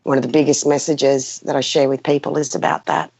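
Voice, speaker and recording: Her voice rumbles low, gravelly and darkish with a breathy edge, and she delivers her words briskly and with animation. A woman in her fifties from a Greek background, she's a spiritual guide leading a live session, speaking emphatically and off the cuff, repeating phrases as she guides listeners. The recording is lo-fi, muffled and roomy.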